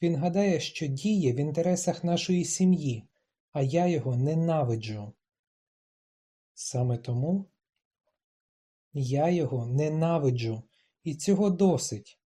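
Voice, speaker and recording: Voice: medium pitch, a little slow, long pauses, husky. An audiobook reader voicing a proud, stubborn young woman who speaks in clipped, emphatic lines and rises into defiant outbursts. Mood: cool. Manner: clipped, emphatic, rising to shouts.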